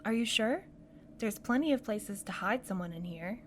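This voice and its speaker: A woman acting in an audio drama podcast as a playful, curious but cautious companion, lightly teasing and expressive. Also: mid-range voice, moderate pace, close to an everyday voice. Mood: uneasy, curious. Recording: clear background noise, ambient sound bed.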